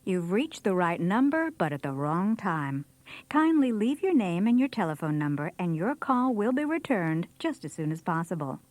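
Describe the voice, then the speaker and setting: A woman's voice: lowish voice, very animated, moderate pace, a little mellow, dry recording. A woman delivering scripted answering machine greetings in a performed way.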